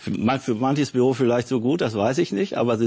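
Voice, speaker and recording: Here a man has a normal speaking voice at medium pitch with ordinary pitch variation. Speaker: member of parliament. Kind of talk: panel discussion.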